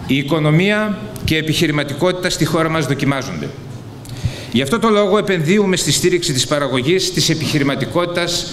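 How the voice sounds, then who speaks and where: A man's voice: fairly high pitch, a bit bright. Middle-aged man declaiming a podium speech. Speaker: official giving a greeting speech. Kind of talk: formal read speech at podium. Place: large exhibition hall. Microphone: podium microphone. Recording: echoey hall, faint noise.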